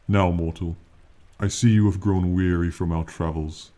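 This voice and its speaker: A man voicing an ancient, proud male dragon in an ASMR fantasy roleplay, speaking slowly and formally with lofty, condescending yet fond authority. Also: low voice, steady tone, dark tone, lightly acted. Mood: regal, reassuring. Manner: slow, formal, lofty, archaic phrasing.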